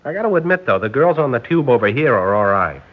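A brash young spy, lo-fi. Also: male voice, mid-range voice, sing-song, fast. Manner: brash, slangy, wisecracking. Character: cocky young male spy posing as American. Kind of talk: 1960s radio drama acting. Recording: dull lo-fi old radio recording.

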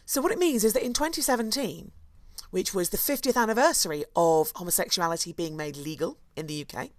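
A hoarse woman, co-hosting a podcast and chattily telling a history story, with asides and restarts. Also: fairly low pitch, a little fast, dry recording, clean studio sound. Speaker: podcast co-host. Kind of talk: casual chat, storytelling history.

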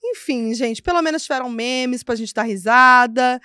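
A young Brazilian woman hosting a gossip chat in an animated, chatty way, tagging her lines as she goes. Her voice sits fairly high and sounds close and dry, with no room sound around it. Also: moderate pace, smooth, no room sound. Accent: Brazilian Portuguese. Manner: chatty, animated, constant "né" and "gente" tags. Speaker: host.

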